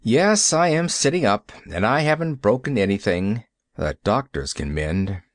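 A man voicing a troubled, stern minister who speaks in a deep, grave preaching cadence. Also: sing-song, moderate pace, dry recording, studio quality, natural voice. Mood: weary. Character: troubled, stern middle-aged male minister.

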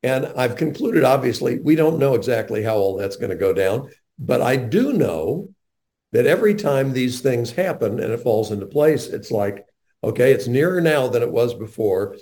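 Earnest older male radio host, mellow tone. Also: mid-range voice, normal speed. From North Carolina, USA. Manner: earnest, animated storyteller.

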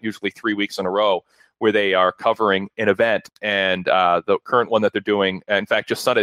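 A man hosting a casual talk radio show in a wordy, halting, rambling way. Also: fairly low pitch, a bit bright, no room sound. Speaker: show host.

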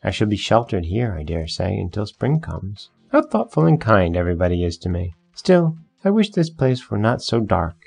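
A man's voice: on the low side, very animated, moderate pace, vocal fry, few pauses, darkish tone, slightly rough, soft background music, exaggerated voice. A man voicing an eager, naive young fir tree in a storybook reading, asking longing, wondering questions. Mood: lonely.

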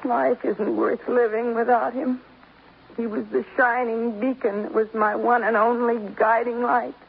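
A lovesick showgirl, slow and gravelly, from tinny vintage radio. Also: on the high side, flat delivery, slight background noise. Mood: swooning. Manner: theatrical, swooning, lovesick. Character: melodramatic showgirl in a hospital bed, young woman. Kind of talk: 1950s radio drama acting. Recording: tinny old radio broadcast.

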